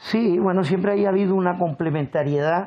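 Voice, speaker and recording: This man has a high-pitched voice with lively intonation. He speaks at a moderate pace. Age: 60s. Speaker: regional health minister. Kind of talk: TV interview.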